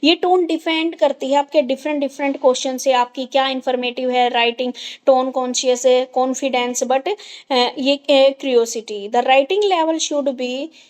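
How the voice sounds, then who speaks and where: Her intonation is fairly level. The woman's voice sits at a high pitch. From Haryana, India. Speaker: teacher. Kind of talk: lecture. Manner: conversational, with frequent fillers.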